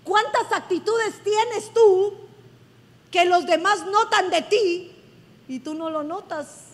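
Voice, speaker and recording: A woman's voice: very high voice, takes it slowly. A woman pastor giving an effusive, emphatic sermon. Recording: long hall reverb.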